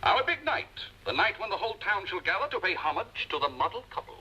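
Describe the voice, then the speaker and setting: A pompous, speechifying husband. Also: male voice, high voice, sing-song, fast talker, bright, forceful tone, a little hiss or hum, heavily acted, low-quality recording. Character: pompous self-satisfied husband, fond of speeches. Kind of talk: 1950s television drama acting.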